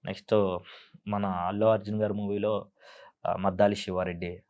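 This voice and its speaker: A man, a mimicry artist, answering interview questions in a soft, hesitant way with many fillers and frequent laughs. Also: fairly low pitch, flat delivery, normal speed, lo-fi sound. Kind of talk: casual interview chat.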